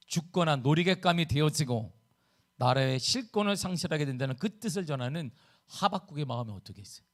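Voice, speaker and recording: Animated male pastor preaching. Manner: swings between low quiet narration and loud high pleading outbursts. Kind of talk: sermon.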